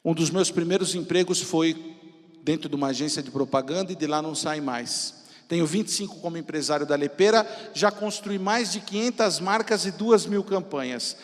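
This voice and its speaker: A man's voice: fairly high pitch, normal speed. A Brazilian man in his fifties with a São Paulo accent, giving an informal, theatrical motivational talk about his own story from a stage. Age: 50s. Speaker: entrepreneur speaking at a festival. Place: stage of a large event hall. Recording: reverberant hall with long echo.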